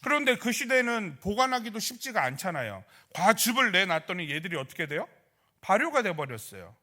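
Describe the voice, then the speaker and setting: A man's voice: sits high, sing-song, brisk, pushed and bright. A male pastor preaching at a midweek prayer service, asking the congregation questions and acting out quoted grumbles and prayers. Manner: acts out church members' grumbling and prayers in quoted voices; asks the congregation rhetorical questions.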